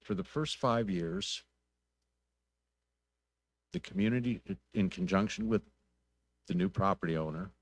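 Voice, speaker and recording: A low-pitched male council member speaks at a public meeting. He is plainspoken and deliberate, putting probing questions one step at a time. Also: vocal fry, a little mellow, dry recording.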